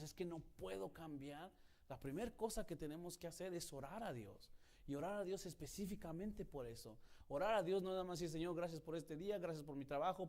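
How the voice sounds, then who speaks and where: A man's voice: a little high, darkish tone. A male pastor, giving a conversational sermon and acting out quoted prayers and dialogue.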